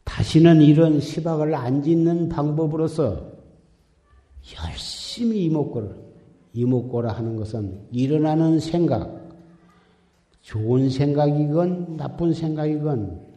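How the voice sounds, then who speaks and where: Man, Buddhist sermon, slow and deliberate, very mellow deep tone, long hall reverb. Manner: exhorting, repetitive, admonishing. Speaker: Buddhist dharma teacher. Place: temple dharma hall.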